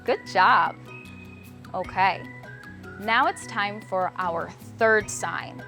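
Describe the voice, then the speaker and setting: A woman with a mid-pitched voice leads a children's lesson. She gives simple step-by-step instructions and encouraging praise, with music playing behind her. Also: drawn-out words, vocal fry, sharp tone. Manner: encouraging, simple talk addressed to young viewers. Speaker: sign language teacher for children.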